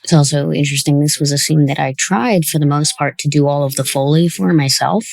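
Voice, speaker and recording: Low-key creaky-voiced woman hosting commentary. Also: a little fast, a little mellow. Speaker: audio drama creator and commentary host. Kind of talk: casual commentary chat.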